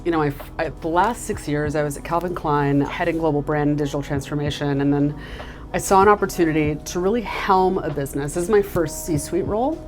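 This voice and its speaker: A woman's voice: sits low, fairly quick, darkish tone, faint music behind. A woman from the United States, a marketing executive, talking enthusiastically in an interview with many fillers like "you know" and "like.". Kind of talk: casual interview.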